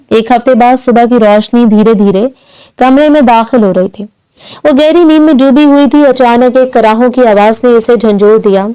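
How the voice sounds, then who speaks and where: A woman reading a romantic novel aloud in soft, measured scripted narration. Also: a little high, clean tone, low-quality recording.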